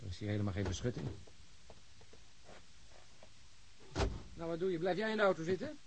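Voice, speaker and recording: An actor playing an anxious, moralising police detective, exasperated and earnest, in a radio drama. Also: male voice, fairly high pitch, very animated, rapid-fire. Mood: nervous, exasperated. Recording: radio drama recording with background noise.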